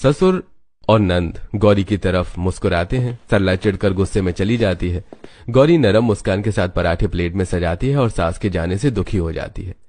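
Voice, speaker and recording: Reading a scripted animated family story, a male narrator uses a fairly low voice. He holds a steady storytelling pace at normal speed.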